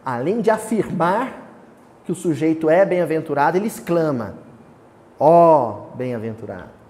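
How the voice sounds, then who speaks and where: Lively Brazilian man teaching in an echoing hall. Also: a little high, normal speed. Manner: questions the group and answers himself; declaims quoted verses with exclamation. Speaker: Bible study teacher. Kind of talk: teaching a small study group. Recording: reverberant hall with faint hiss.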